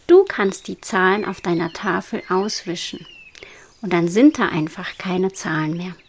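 A woman guiding a hypnosis meditation in a soft, slow whisper. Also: on the low side, slight background noise. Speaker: hypnosis guide.

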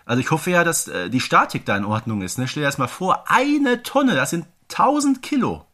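A man's voice: fairly high pitch, big pitch swings, brisk, bright, forceful tone. A man chatting casually and emphatically as an enthusiastic podcast co-host. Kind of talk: casual chat reviewing an audio drama.

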